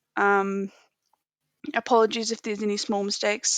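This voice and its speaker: A woman's fairly high voice with a New Zealand accent, at a moderate pace, in a dry, close sound with no echo. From New Zealand, Christchurch. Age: 20s. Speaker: language tutor. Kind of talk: presentation.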